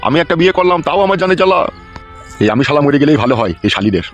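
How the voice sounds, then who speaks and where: A man's voice: on the high side, big pitch swings, racing, soft background music. A man voicing a foul-mouthed, fed-up village father in a cartoon comedy who rants and curses at his son. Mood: ranting. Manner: cursing, complaining rant.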